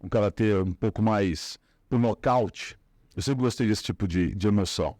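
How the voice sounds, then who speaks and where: At a moderate pace, a middle-aged São Paulo native with a Paulistano Brazilian Portuguese accent recounts his family story as a casual interview guest, rambling with lots of fillers and restarts. His voice is on the low side and a little mellow, captured in a dry, clean studio recording.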